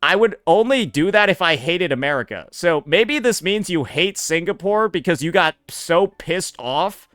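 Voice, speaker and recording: A man's voice: sits high, animated, moderate pace, few pauses, fairly bright tone, no room sound. A man doing sarcastic, profane reaction commentary as a streamer, recorded on a close mic.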